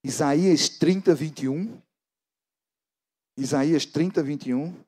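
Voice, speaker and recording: A man's voice: on the high side, slow, husky. Brazilian man preaching emphatically. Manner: emphatic, swinging from loud to soft prayer. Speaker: pastor. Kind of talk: sermon. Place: indoor church gathering.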